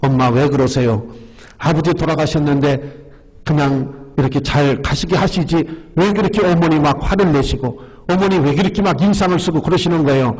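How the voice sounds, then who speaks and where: A pastor quoting a grown son who quietly questions his mother. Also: fairly high pitch, brisk, breathy edge. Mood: coaxing. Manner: quiet, coaxing. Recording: long church-hall reverb.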